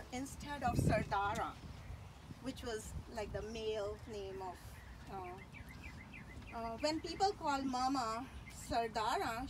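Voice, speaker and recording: A woman delivering a personal eulogy in a tender, reverent, faltering manner, breaking her speech into short halting phrases. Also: on the high side, noisy background. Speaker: daughter giving a eulogy.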